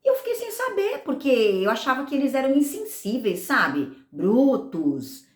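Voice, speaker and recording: A woman pastor giving a lively sermon testimony, acting out the dialogue as she tells the story. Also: sits high, unhurried, roomy sound.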